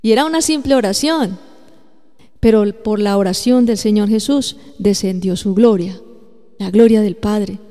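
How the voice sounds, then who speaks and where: A woman's voice: mid-range voice, moderate pace, long reverb tail. A woman pastor preaching a sermon, often questioning her congregation. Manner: animated, asks the congregation questions. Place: church.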